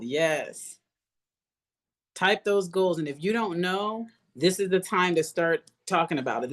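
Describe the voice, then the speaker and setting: A woman leading a live motivational online class as a coach, speaking emphatically and repeating phrases to encourage her listeners. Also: deep voice. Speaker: business coach hosting an online masterclass. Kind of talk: live motivational webinar talk.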